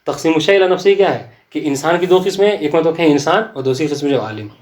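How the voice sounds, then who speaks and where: A man's voice: a little high, a little mellow. A man teaching a class on legal theory. He recites passages of Arabic text, explains them, and keeps asking his students whether they follow. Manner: quizzes students, checks understanding often.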